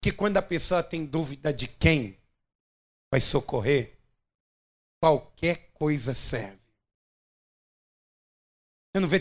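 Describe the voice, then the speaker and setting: A man's voice: sits high, a bit bright. A man preaching an emphatic, dramatic sermon as pastor.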